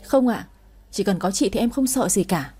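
A woman's voice: mid-range voice, animated, normal speed, dark tone, slightly rough. A woman voicing a young woman who pleads anxiously and tearfully. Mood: pleading.

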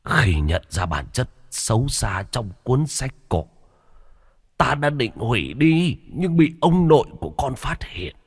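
A man's voice: medium pitch, big pitch swings, unhurried, slightly rough, in a large hall, voice pushed up, heavily acted. A man voicing a tormented, dying old father whose strained words rise into anguished cries. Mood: grave confession. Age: older. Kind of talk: dramatic storytelling.

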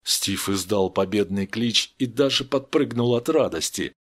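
A man reading a story aloud with expressive narration. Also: lowish voice, unhurried. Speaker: audiobook narrator.

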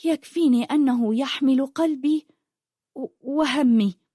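A woman voicing a dreamy sixteen-year-old girl who speaks of the sea in a soft, poetic way. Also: high voice, unhurried, breathy edge, no echo, studio quality, pitched above the performer's own voice. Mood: wistful.

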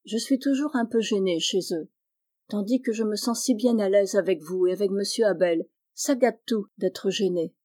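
A woman's voice: medium pitch, normal speed, dark tone, lightly acted. A woman voicing a kind, honest young man in a storybook reading, polite and earnest.

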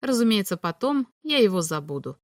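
Storybook alien, male humanoid, unhurried and knowing, read by a woman; dry booth sound. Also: big pitch swings, dry recording. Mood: calm explaining. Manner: patient, explanatory, slightly higher voice. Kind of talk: audiobook reading.

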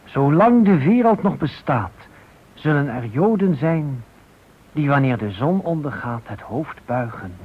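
A man giving solemn, sermon-like scripted radio narration, emphatic and rhetorical with dramatic pauses. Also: a little high, animated, husky. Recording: thin phone-like band, faint noise.

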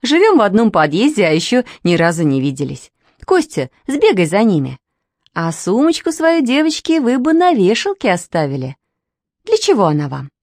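A woman voicing a fussy, excitable, squeamish aunt in a storybook reading, with high shrill exclamations. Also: moderate pace, no room sound, studio quality. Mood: cheery bustling.

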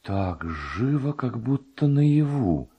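A man's voice: mid-range voice, sing-song, slow pace, warm tone, slightly rough, exaggerated voice. A man voicing a dreamy, awestruck young village lad who murmurs in wonder to himself, in a storybook reading. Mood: dazed wonder.

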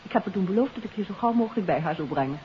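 A woman plays a friendly, brisk lady in a vintage radio play. Speech moves quickly at a middling pitch. The sound is muffled with some hiss. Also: animated, natural voice. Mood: friendly, concerned. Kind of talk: 1950s Dutch radio play acting.

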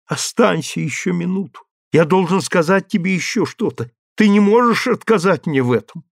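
A man's voice: high-pitched, normal speed, vocal fry, no room sound, studio quality, voice pushed up. A man voicing a desperate, tearful husband who pleads with his wife in a rising, imploring voice. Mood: urgent. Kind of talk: audiobook character reading.

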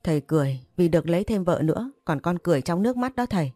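A woman's voice: animated, racing, mellow, no room sound. A woman voicing a furious grieving daughter, accusing and sobbing. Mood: bitter. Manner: shrill accusing rants, sobbing pleas.

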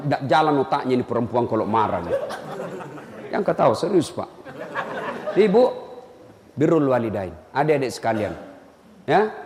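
A man preaching a humorous sermon to a crowd, animated and teasing, shouting his points. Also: mid-range voice. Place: large echoey hall with audience. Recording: echoey hall, long reverb, faint noise.

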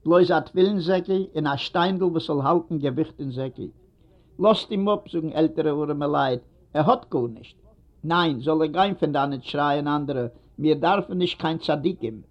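A man reading a literary story aloud in a steady storytelling manner. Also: on the high side, moderate pace. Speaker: narrator. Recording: dull lo-fi recording.

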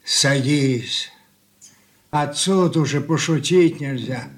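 An actor playing a stern, quick-tempered older merchant and head of a family, whose gruff talk bursts into shouting, in a radio play. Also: male voice, a little high. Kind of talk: 1980s studio radio play acting. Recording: roomy studio echo.

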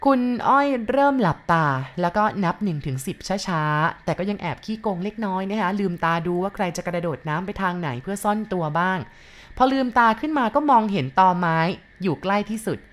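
A woman narrating a ghost story politely and unhurriedly, with soft filler sounds. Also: on the low side, expressive, fairly quick.

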